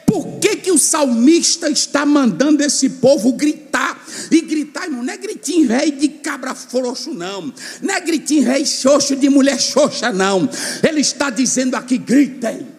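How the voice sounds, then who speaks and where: A male preacher delivers a fiery sermon, his very high voice leaping up and down as he shouts and chants. He calls on the congregation to shout back. Long reverb from a big hall trails every phrase. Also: lively intonation, moderate pace. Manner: shouting, sing-song preaching with call and response. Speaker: pastor. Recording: long echo of a large hall.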